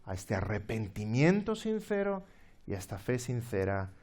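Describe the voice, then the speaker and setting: Expressive pastor preaching. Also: male voice, lowish voice, normal speed. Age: middle-aged. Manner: expressive preaching, swinging from soft to loud. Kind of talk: sermon.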